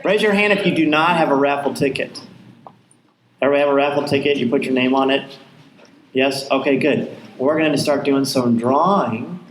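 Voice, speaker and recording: A man's voice: mid-range voice, fairly quick. A man hosting a live podcast on a convention stage, emceeing a raffle in an upbeat way. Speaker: podcast host. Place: large convention hall stage with live audience. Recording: echoey convention hall, loud background noise.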